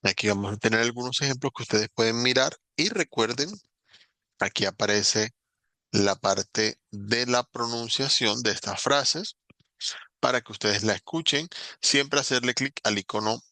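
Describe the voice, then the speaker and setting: A man with a medium-pitched, pushed and bright voice gives a patient grammar explanation in a recorded online English lesson. He slows down to spell out examples, and the audio has no room sound.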